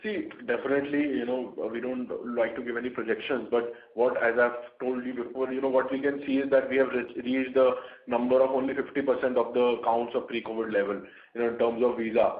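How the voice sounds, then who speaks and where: A man's voice: medium pitch, flat delivery, a little fast, few pauses. A man with an Indian accent answering as a company executive on an earnings call in a businesslike way. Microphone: conference call phone. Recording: echoey narrowband phone line.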